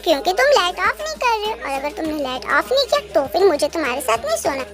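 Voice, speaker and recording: A woman's voice: very high voice, big pitch swings, racing, voice pushed down. A woman doing a shy, panicky young girl. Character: shy, timid young woman, easily scared. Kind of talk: Hindi fan dub acting. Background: background music.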